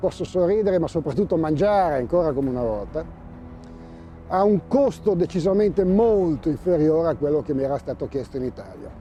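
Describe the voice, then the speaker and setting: A man talks at a fairly quick pace with a fairly high pitch and lively intonation. Music plays in the background. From Italy. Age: 60s. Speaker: dental patient. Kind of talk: testimony. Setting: outdoors.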